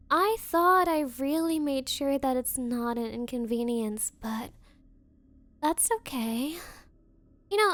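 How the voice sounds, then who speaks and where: A woman acts out a bratty yandere rich girl in an ASMR roleplay. The voice is high and unhurried, recorded dry and close. She coaxes with haughty, falsely patient condescension, halting as she goes, possessive underneath the sweetness. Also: no echo. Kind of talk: ASMR roleplay, girlfriend addressing listener.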